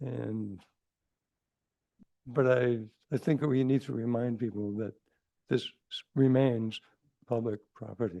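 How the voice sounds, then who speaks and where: A man with a dark, mellow tone speaks at a medium pitch and a fairly slow pace. His intonation is fairly even, and he leaves long, frequent pauses. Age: 80s+. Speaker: public commenter at county hearing. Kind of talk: public testimony. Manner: halting, repeats words.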